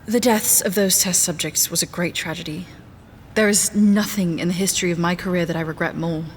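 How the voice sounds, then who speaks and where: A woman playing a composed, determined scientist in an audio drama, with formal, measured diction. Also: fairly low pitch, fairly even intonation, slight background noise, close to an everyday voice. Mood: guarded, solemn.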